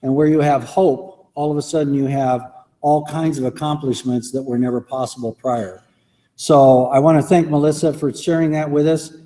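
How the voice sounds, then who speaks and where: A man gives a formal college address in a slightly high voice with a dark, mellow tone. He speaks earnestly and with emphasis. Long reverb from the large hall follows his voice. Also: fairly even intonation, moderate pace. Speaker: college president.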